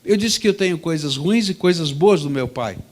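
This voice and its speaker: A man, a pastor preaching a sermon in a lively, conversational storytelling manner. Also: on the high side, moderate pace.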